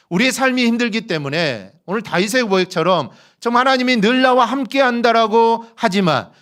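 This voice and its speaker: Male pastor in the pulpit, high and lively voice, preaching with rising emphasis and rhetorical questions. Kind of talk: sermon. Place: church sanctuary.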